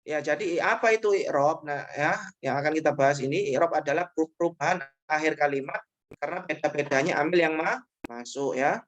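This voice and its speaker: A man's voice: a little high, a little fast, fairly bright tone. Patient male online grammar teacher. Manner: explains patiently, repeating points and tagging phrases with "ya". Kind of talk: online class lecture.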